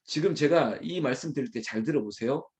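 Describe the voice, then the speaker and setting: A man's voice: mid-range voice, a little fast, darkish tone. A man preaching as pastor at an early morning prayer service, talking animatedly and addressing the congregation directly.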